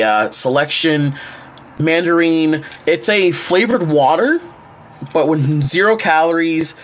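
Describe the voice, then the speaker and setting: A man's voice: on the high side, fairly bright tone. A young man, chatting casually to a close handheld camera at home, rambling with many fillers. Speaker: vlogger. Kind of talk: casual vlog chat to camera. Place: small home kitchen and living room indoors. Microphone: wide-angle camera held close.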